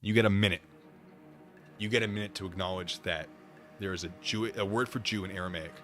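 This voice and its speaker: A man's voice: low-pitched, fairly even intonation, a little fast, fairly bright tone, faint music behind. A man hosting a livestream, chatting casually with viewers in a theatrical, emphatic manner. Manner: theatrical, emphatic, exasperated debating. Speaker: livestream host.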